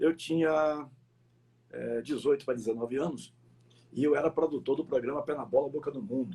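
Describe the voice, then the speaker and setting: Long, frequent pauses break up a man's speech, which has a fairly high pitch, ordinary pitch variation and a moderate pace. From Brazil. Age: 60s. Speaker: retired sports radio commentator, live show host. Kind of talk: casual interview chat. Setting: live stream. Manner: hesitant, many fillers.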